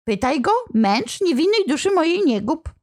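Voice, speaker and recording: A woman voicing a cunning male demon who whines and pleads in a squealing high voice. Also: big pitch swings, normal speed, no echo, studio quality. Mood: whining.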